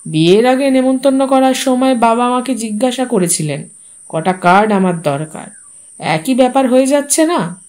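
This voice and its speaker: A woman voicing a withdrawn adult son in a storybook reading, giving him low, subdued, terse replies. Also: moderate pace, a little mellow, natural voice. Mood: flat refusal. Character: adult man, quiet, withdrawn, wry.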